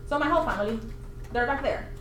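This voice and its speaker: A woman's voice: high-pitched, fast. Woman from puerto rico chatting at a team meeting, echoey office room, far camera. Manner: chatty, animated retelling with quoted asides. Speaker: interviewed agent. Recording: echoey room, faint hiss.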